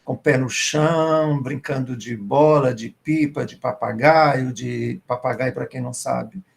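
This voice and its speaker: A middle-aged man, a writer and professor speaking as a guest in an online literary conversation, reminiscing warmly and gratefully. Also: medium pitch, a little slow, creaky. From Maranhão, Brazil.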